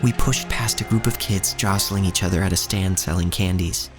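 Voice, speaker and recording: A man playing a solemn narrator who tells of a poor street childhood in measured, scripted audio drama storytelling. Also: sits low, steady tone, natural voice. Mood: somber, measured. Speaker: first-person narrator. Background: music.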